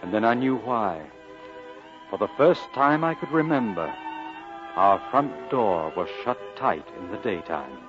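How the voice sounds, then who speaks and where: Solemn storyteller looking back on boyhood, low-pitched, 1940s radio play, dull vintage broadcast. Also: male voice, lively intonation, measured pace. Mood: somber. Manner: reflective, literary storytelling. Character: grown man solemnly recalling his Welsh boyhood. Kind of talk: 1940s radio drama narration. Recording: muffled old radio broadcast with music.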